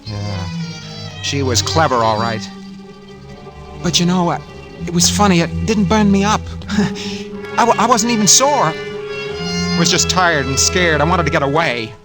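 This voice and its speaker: A broke, worn-out swindler tells his story in a halting, stammering voice over swelling music. The voice sits a little high and the old radio broadcast has that period sound. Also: sing-song, poor audio. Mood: weary. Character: broke swindler man, tired, cracking up. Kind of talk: 1940s radio acting.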